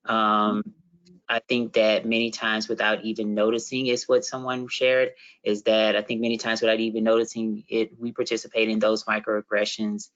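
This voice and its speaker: A man co-facilitating an online workshop, reading out participant comments in a steady way with many fillers. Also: fairly low pitch, normal speed, muffled recording.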